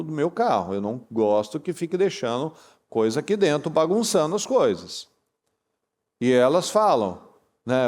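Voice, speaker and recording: A Brazilian Portuguese-accented man delivers a sermon in a fairly high voice. He drives his points home through repetition and sudden rises in pitch. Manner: emphatic, repetitive preaching with lively pitch jumps. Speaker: pastor. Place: church meeting hall.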